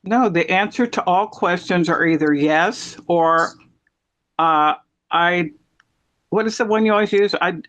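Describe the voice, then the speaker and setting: A woman's voice: lowish voice, a little slow, a bit bright. Casual woman podcast host chatting. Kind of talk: casual conversational podcast chat.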